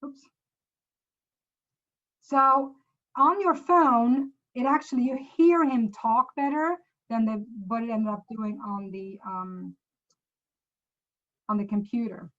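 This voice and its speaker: A woman's voice: a little high, slow, long pauses, a bit bright, lo-fi sound. A woman from Sweden with a Swedish accent, casually walking viewers through apps on a shared screen, chatty and loose, correcting herself as she goes. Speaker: presenter.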